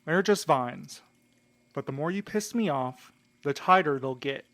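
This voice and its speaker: A man's voice: on the high side, animated, measured pace, a bit bright. An actor playing a hot-tempered, heartbroken man in an audio drama, blunt and exasperated in his delivery. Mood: threatening. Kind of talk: scripted audio drama acting.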